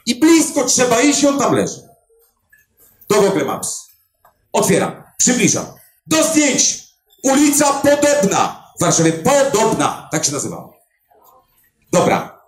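An older man who finds missing people, telling a story to a live audience with emphatic, animated delivery and dramatic pauses. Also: high voice. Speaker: clairvoyant body finder. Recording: roomy echo.

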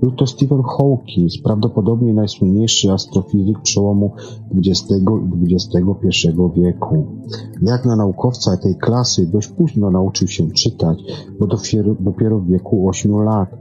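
A man hosts a science programme, reading scripted narration haltingly, stumbling and repeating words. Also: fairly low pitch, dark tone. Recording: dull lo-fi sound. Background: music.

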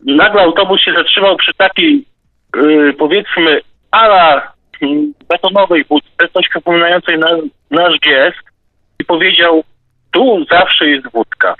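A man's voice: on the high side, measured pace, pauses often, dry recording. Man telling stories over a tinny phone line. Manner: anecdotal, with hesitations. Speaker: caller. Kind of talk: casual storytelling.

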